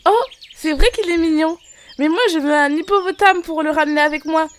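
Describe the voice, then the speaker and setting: A woman's voice: very high voice, a little fast. A female performer voicing a keen, confident little girl in a Christian children's cartoon, speaking earnestly.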